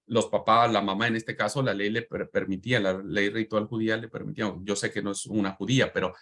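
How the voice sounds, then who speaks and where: A man's voice: fairly low pitch, flat delivery, a little fast, a bit bright. Fervent man teaching a Bible class. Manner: fervent, repeats words for emphasis, addresses listeners as brothers. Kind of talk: preachy Bible class lecture.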